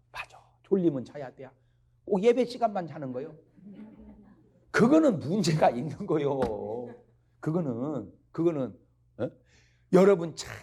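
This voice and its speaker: A man preaching a lively revival sermon, asking the congregation questions and climbing to emphatic peaks. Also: on the high side, husky. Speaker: pastor. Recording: archival broadcast of a revival meeting.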